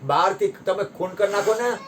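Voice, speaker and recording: A man giving a satsang discourse, telling parables with sharp rises and drops in his voice. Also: high-pitched, normal speed, a little hiss or hum. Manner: animated storytelling, voice rising and dropping sharply. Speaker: spiritual teacher.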